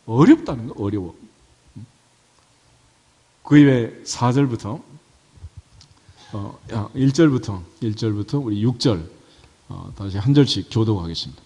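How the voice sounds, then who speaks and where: A man delivers a sermon from the pulpit in an easygoing, conversational way, often turning lines into questions for the listeners. His voice rises and falls with lively pitch. The sound carries a long reverb from the church hall. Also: a little slow, pauses often, husky. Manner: conversational, asks the congregation rhetorical questions. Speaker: pastor. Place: church sanctuary.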